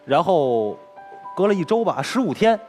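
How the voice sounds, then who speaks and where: A man, a crosstalk performer telling a personal story as an interview guest, with an animated delivery that acts out the dialogue. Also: high-pitched, normal speed, soft background music. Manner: animated, retells dialogue with lively swings.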